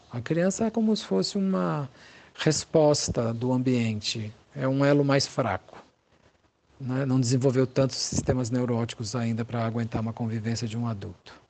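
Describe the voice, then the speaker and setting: A Brazilian man who works as a psychologist gives thoughtful, halting explanations in a conversational interview, often searching for words. His voice is medium in pitch and a little mellow.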